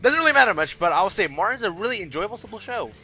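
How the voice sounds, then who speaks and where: A man's voice: sits high, very animated, quick pace, pushed and bright, breathy edge, soft background music. A man giving a casual, opinionated video review as host, irreverent, sarcastic and slangy in his delivery.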